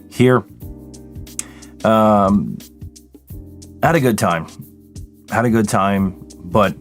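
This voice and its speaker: A tired man, hosting a casual livestream Q&A and chatting with viewers by name. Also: deep voice. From Quebec, Canada. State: tired, voice deeper than usual this morning. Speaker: live sound engineer hosting a livestream.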